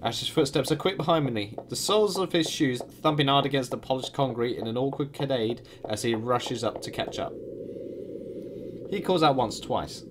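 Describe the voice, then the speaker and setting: A man reading a visual novel aloud as the streamer, expressive, with his own asides. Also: mid-range voice, moderate pace, noisy background. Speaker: game streamer.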